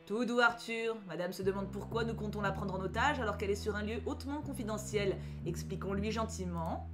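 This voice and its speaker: A woman voicing a cool-headed male gang leader who speaks calmly and with cold politeness, as she reads a story aloud. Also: medium pitch, fairly quick, music in the background, lightly acted. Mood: coolly menacing.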